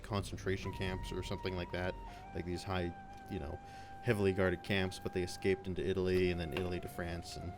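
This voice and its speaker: A young man telling a rambling personal anecdote in a casual, conversational way as a let's play host, often quoting other people. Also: low-pitched.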